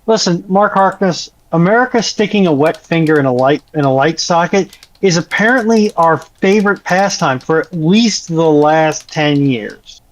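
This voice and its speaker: A man's voice: on the high side, moderate pace. A man on a panel, chatting casually in a wry, drily sarcastic way. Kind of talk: casual joking chat.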